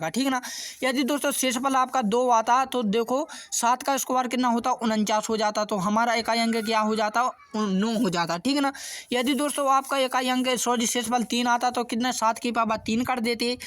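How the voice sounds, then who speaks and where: A man's voice: very high-pitched, no room sound. A man teaching an exam-prep math lesson, patiently walking through each step and constantly checking in with his viewers by asking questions and answering them himself. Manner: steady, patient explaining. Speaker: math tutor.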